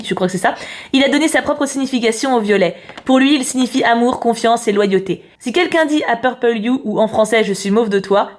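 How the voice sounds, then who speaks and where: A woman talking casually as she unboxes a parcel on camera, chatty and exclamatory, thinking aloud as she goes. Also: on the high side. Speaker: YouTuber host.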